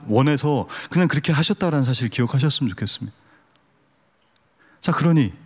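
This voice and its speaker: A man pastor preaching a sermon with humor, questioning the congregation and asking them to raise their hands. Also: fairly high pitch. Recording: long hall reverb.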